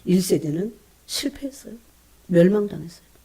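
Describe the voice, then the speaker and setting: Woman preacher, fervent, emotional, husky, darkish tone, whispers then swells. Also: on the low side, lively intonation, normal speed. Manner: fervent, emotional preaching with frequent call-outs to the congregation; swings between loud emphasis and hushed whispers. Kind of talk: sermon.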